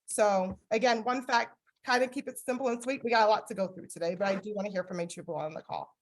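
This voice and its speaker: A woman facilitating a training session over a video call, calling on participants quickly to keep the session moving. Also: mid-range voice. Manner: brisk, keeps things moving. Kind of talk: casual group facilitation.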